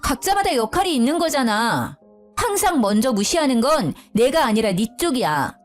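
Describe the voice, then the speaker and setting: A woman's voice: high-pitched, very animated, moderate pace, soft background music. A woman in her thirties telling a dramatized story of a marital fight, indignant and emphatic. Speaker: storyteller, schoolteacher wife.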